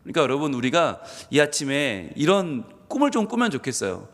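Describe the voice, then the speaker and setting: A man's voice: a little high, huge pitch swings, brisk. A man preaching an early-morning sermon as pastor, asking his congregation questions as he goes. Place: church sanctuary. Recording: long church reverb.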